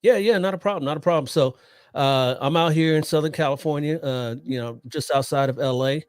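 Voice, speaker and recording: A middle-aged man from Ohio, a guest on a podcast, chatting in a relaxed, friendly way with lots of "you know". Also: on the high side, a little fast, clean tone, no echo, studio quality. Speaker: podcast guest, police investigator. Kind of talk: casual interview chat.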